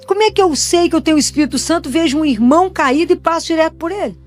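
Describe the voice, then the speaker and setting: A woman with a Brazilian accent preaches in a high voice, talking to the crowd as if chatting with them. She keeps asking rhetorical questions. Soft music plays faintly behind her. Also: racing. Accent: Brazilian Portuguese. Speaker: Catholic speaker and pediatrician. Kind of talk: preaching sermon. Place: church gathering after communion.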